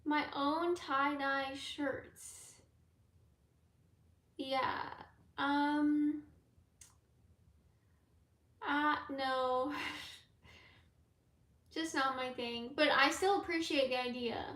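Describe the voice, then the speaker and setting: Woman, tarot reader, live viewer Q&A, laid-back rambling, high voice, echoey room. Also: fairly even intonation, extremely slow, pauses often, fairly bright tone.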